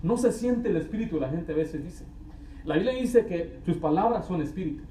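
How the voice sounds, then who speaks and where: This young adult pastor has a mellow voice that sits high, with lively intonation and normal speed. He delivers a conversational sermon with anecdotes and acted quotes, recorded in an echoey sanctuary with slight background noise and faint ambience.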